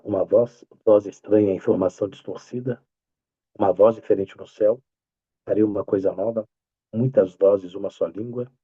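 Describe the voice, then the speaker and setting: A man with a Brazilian accent, a pastor praying softly and then speaking to his congregation about his books over a video call. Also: on the low side, slightly rough, no echo, muffled recording. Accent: Brazilian Portuguese. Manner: fervent soft-spoken prayer, then upbeat warm greeting. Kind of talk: prayer and sermon talk.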